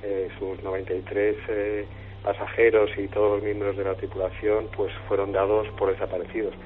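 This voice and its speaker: Guy, deep flat voice, halting, sounds like phone. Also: soft background music. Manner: halting, many fillers. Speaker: investigator, radio guest. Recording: tinny phone-like radio clip.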